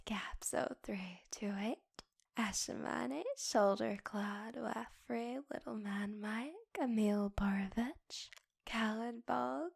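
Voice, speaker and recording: A woman speaking quietly in a half-whisper, reading out in a soft ASMR style as a content creator. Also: on the high side, vocal fry, husky. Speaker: content creator thanking patrons. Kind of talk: soft-spoken ASMR name read-out.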